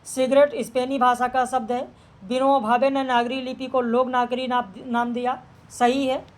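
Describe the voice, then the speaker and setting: A woman teacher running through exam practice questions, reading each one and checking the answers in a brisk, matter-of-fact way. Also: high voice, level tone.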